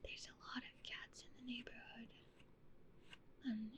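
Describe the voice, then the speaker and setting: In a whisper with a gentle tone, the speaker keeps a moderate pace. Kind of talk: casual chatty talk to stream. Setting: home room, streaming. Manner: gentle, soft-spoken.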